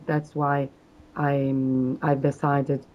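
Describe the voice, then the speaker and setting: A woman from South Africa answering interview questions hesitantly, with frequent pauses and restarts. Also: rumbling low, level tone, darkish tone, dull audio. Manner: hesitant, many fillers and restarts. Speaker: interview guest, exam candidate.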